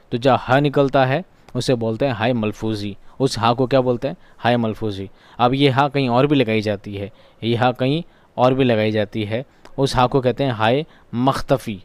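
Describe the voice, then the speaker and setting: A male teacher with a smooth, clear voice, recorded close and dry. He keeps firing questions at his listeners and answering them himself, going over each term again and again. His carries a flavour. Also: medium pitch, no echo. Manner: asks questions and answers them himself, repeats key terms. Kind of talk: classroom-style grammar lesson.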